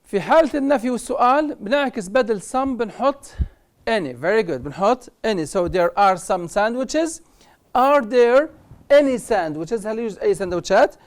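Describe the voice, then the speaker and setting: A woman with a Libyan Arabic accent teaching an English grammar lesson on television. She says the English examples slowly and deliberately, then explains them quickly. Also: fairly high pitch, animated.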